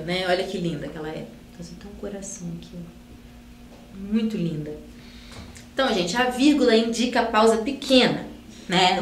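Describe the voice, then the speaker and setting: Chatty Brazilian woman teacher, echoey room. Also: mid-range voice. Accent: Brazilian Portuguese. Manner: chatty, keeps adding "né?" and using cute diminutives. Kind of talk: recorded online class. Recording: echoey room, faint hum.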